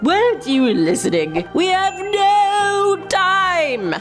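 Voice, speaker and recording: A woman's voice: extremely high pitch, very animated, slow pace, music in the background, voice pushed up, full character voice. A woman voicing an eccentric, rude Mad Hatter in a children's storybook, with a singsong, exaggerated delivery. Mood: matter-of-fact, irritated.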